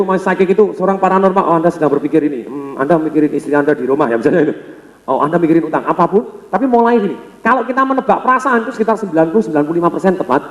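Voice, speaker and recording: Man, Indonesian accent, sales trainer, seminar lecture, high voice, echoey hall. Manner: energetic, calls on the audience for responses; acts out customer dialogues. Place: large hall with a live audience.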